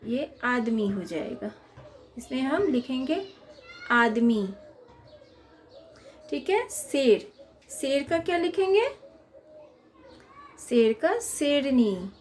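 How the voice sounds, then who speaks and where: A high-pitched woman teaching young children, going slowly through workbook questions and spelling out each answer. She speaks in an unhurried, patient way, as if pausing for them to write it down. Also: animated, slight background noise. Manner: slow, patient explaining, reading questions and dictating answers.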